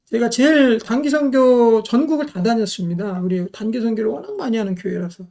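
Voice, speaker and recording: A woman's voice: on the high side, lively intonation, fairly quick, vocal fry, dark tone. A middle-aged woman preaching a sermon, emphatic, repeating key phrases and putting rhetorical questions to the congregation.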